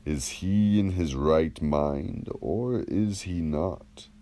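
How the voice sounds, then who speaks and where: A man reading the part of a probing, measured philosopher in an audiobook of a classical dialogue, teaching through rhetorical questions. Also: low-pitched, warm tone, exaggerated voice. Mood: questioning.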